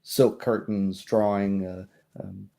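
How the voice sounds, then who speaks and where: A man running a tabletop roleplaying game, describing scenes in a halting, improvised way. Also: deep voice, little pitch movement, gravelly, dark tone. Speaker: game master.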